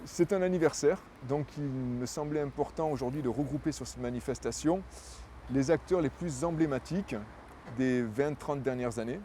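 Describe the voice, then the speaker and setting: A man's voice: mid-range voice, normal speed, dark tone, slight background noise. A man, a festival director, answering interview questions in a fluent, promotional way, repeating words as he thinks.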